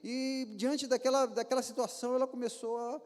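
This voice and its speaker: A man's voice: extremely high pitch, flat delivery, brisk. A man with a Brazilian Portuguese accent, a pastor preaching a sermon in a church, asking rhetorical questions and acting out examples. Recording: hall reverb.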